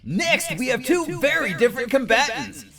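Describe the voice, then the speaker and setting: An excitable fight announcer acted out by a man proclaims in a very high, swooping voice, drawing out names like a ring caller. Music plays clearly behind him. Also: full character voice. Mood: excited, hyped. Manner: booming proclamations, drawn-out names. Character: excitable male tournament announcer.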